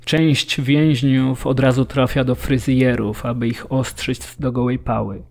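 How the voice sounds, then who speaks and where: An actor playing a prisoner, giving a factual, unemotional account in a radio drama. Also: male voice, mid-range voice, little pitch movement, a little slow, creaky. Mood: factual recollection. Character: matter-of-fact male camp prisoner recalling registration. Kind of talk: radio drama memoir narration.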